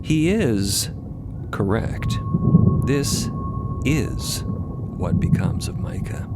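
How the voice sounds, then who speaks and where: A man's voice: on the high side, wildly swooping pitch, very slow. A man narrating an audio drama podcast in a dramatic, scripted storytelling style. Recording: loud music bed under the voice. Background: music.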